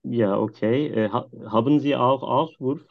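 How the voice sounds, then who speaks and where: Man, junior doctor, halting questions, many fillers, slightly dull recording. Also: medium pitch, gravelly, no room sound. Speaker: junior doctor in a practice exam. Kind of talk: simulated medical history interview.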